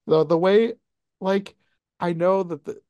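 Mellow-voiced man hosting a review podcast. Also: sits high, unhurried, smooth, dry recording, lo-fi sound. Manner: laughs often while recapping. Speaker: podcast host. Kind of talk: casual film review chat.

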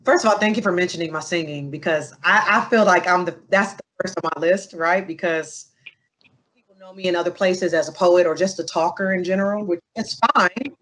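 Expressive woman telling stories in an interview. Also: lowish voice, fairly quick, poor audio. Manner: animated, expressive storytelling with asides to the listener. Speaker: interview guest. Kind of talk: casual interview conversation.

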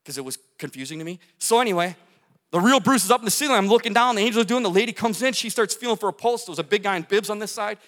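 A man's voice: high voice, expressive, very fast, fairly bright tone. A man telling a dramatic personal story to an audience, repeating phrases for emphasis and gesturing as he goes. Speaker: speaker telling his near-death story. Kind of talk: testimony talk to an audience. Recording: long hall reverb.

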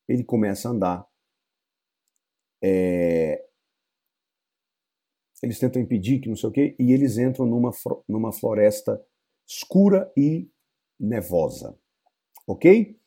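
A man's voice: fairly low pitch, animated, a little slow, long pauses, warm tone, husky. A man with a Brazilian accent teaching English through a story, chatty and explaining word by word with asides. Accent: Brazilian Portuguese. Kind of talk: casual bilingual literature lesson.

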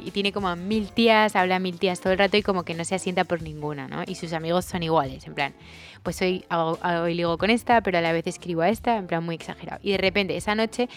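A woman co-hosting a podcast in casual chat, a rambling storyteller who speeds up in quick bursts. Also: fairly low pitch. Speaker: podcast co-host.

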